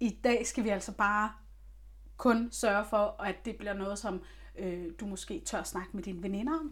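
A woman's medium-pitched voice with vocal fry and ordinary pitch variation. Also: moderate pace. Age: 20s. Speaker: podcast host. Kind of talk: casual chat.

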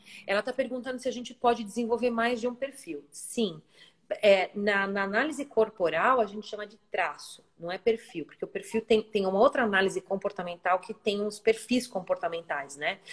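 A woman with a normal speaking voice talks at a fairly high pitch and a moderate pace. Her pitch varies ordinarily, while her loudness swings a lot. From Brazil, São Paulo city. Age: 40s. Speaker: body analysis specialist. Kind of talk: casual interview on live stream.

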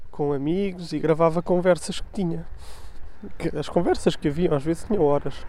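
A man with a European Portuguese accent speaks in a high voice with a dark, mellow tone. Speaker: podcast host and producer. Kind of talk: personal audio diary monologue. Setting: walking or travelling to work with a portable recorder. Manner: unscripted, conversational.

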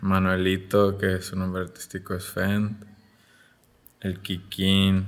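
A man speaks with a Mexican accent in a fairly low pitch. His pace is very slow. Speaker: urban music artist. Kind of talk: casual chat.

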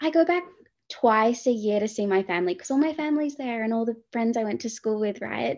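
Against a quiet background, a woman talks very fast in an Australian accent. Her fairly high voice has lively intonation. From Perth, Western Australia. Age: 20s. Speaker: guest, law student and endometriosis advocate. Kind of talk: casual interview conversation.

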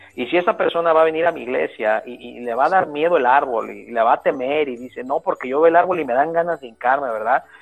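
The voice rushes along at a very fast pace with hardly any pauses, big swings in loudness and ordinary pitch variation. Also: man, fairly high pitch for a man. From Mexico City, Mexico. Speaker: pastor. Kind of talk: casual discussion among church men.

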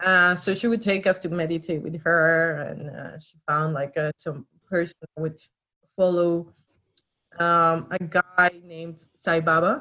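Her tone bright and sharp, a woman speaks at a fairly slow pace with a Spanish accent. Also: big swings in loudness. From Colombia. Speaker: improv performer. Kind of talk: casual chat.

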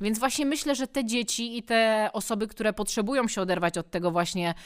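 In a very clean recording with a silent background, a woman talks at a moderate pace in a plain, everyday voice with ordinary pitch variation. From Silesia, Katowice. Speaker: personal trainer. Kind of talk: interview.

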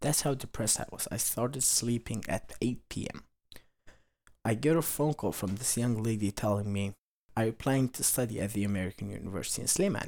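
A man with a Kurdish accent talks at a fairly quick pace and medium pitch, with ordinary pitch variation, on a very clean recording with a silent background. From Iraq, Kurdistan region (Kirkuk). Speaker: student. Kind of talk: personal storytelling.

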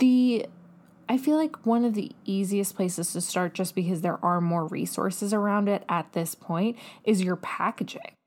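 An animated tone at a moderate pace, with ordinary pitch variation. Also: woman, medium pitch for a woman. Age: 30s. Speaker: podcast host, makeup artist and writer. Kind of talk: solo podcast monologue, casual and chatty. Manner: animated, chatty.

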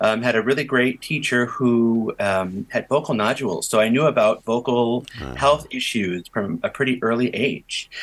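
A man with an American accent has an ordinary speaking voice at a medium pitch with ordinary pitch variation. He keeps a moderate pace with hardly any pauses. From Chicago South Side suburbs, US. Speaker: choral conductor and university music teacher. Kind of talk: casual interview chat.

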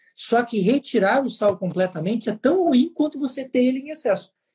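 A man's voice has a dark, mellow tone and lively intonation. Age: 40s. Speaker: naturopath and nutritionist. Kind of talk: interview.

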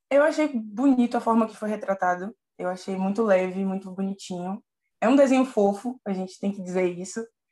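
A woman of medium pitch speaks at a fairly quick pace in a dark, mellow tone. Her pitch varies in an ordinary way, while her loudness swings widely. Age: 30s. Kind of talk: casual chat.

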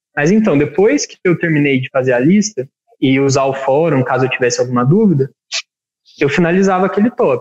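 This man's delivery moves fairly quickly. His voice rises and falls across a very wide range. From interior of São Paulo state, Brazil. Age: 20s. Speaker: medical student. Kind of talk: interview. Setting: video livestream.

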